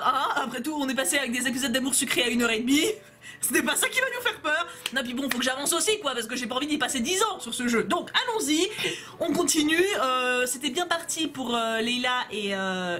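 Bright-voiced young woman reading a game. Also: high-pitched. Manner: playful, reads all characters in her own voice, asides to viewers. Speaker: game let's player. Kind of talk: reading a story game aloud with commentary.

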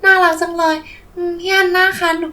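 Woman as an excitable high-pitched little girl. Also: brisk. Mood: delighted. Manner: eager, exclaiming, polite. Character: excitable, sweet little girl who adores horses. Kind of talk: children's toy play storytelling.

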